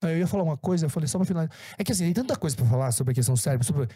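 A man's voice: fairly high pitch, expressive, racing, dark tone, breathy edge, no echo, studio quality. A man, an actor, chatting casually as a guest, often restarting his words. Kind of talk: casual conversation.

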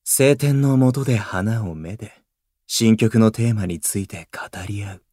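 An actor playing a gentlemanly, poetic male idol in a Japanese voice drama, speaking in a refined, old-fashioned, composed way. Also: fairly low pitch, expressive, measured pace, no room sound, clean studio sound. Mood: serene, admiring.

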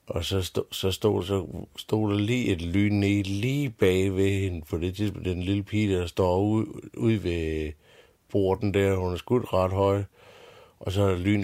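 A Danish man with a very low, gravelly voice retells a fairy tale as a bedtime story. He rambles, swears and restarts his sentences constantly. The sound is close and dry. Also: darkish tone, no echo. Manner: crude, swearing, full of fillers and restarts.

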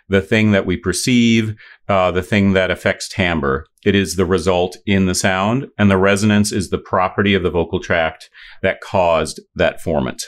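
A middle-aged man explaining voice science in an interview, thoughtful, with many fillers and restarts. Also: deep voice. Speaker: voice science expert.

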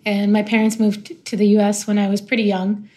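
A woman from Israel whose first language is Hebrew, speaking in an earnest, reflective way with pauses as an artist and community organizer. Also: mid-range voice, level tone, a little mellow. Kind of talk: interview soundbite.

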